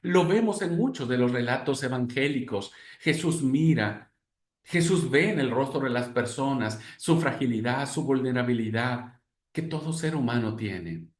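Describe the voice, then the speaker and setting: A man's voice: mid-range voice, animated, normal speed, echoey room. A man teaching a class on Christian spirituality like a sermon, calling his listeners brothers and acting out the voices he quotes. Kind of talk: class lecture in a preaching manner.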